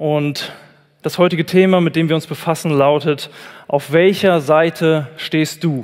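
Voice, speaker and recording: Here a man speaks in a plain, everyday voice at a fairly high pitch, with fairly even intonation and a fairly slow pace. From Kaiserslautern, southwestern Palatinate, Germany. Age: 20s. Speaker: lay preacher at youth service. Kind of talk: sermon. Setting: church youth service with audience.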